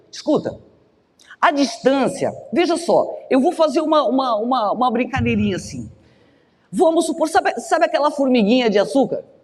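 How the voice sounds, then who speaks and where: With lively intonation and an animated tone, a man speaks at a moderate pace in an extremely high pitch. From Brazil, Santos (São Paulo state). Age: 60s. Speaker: astrology lecturer. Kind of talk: lecture.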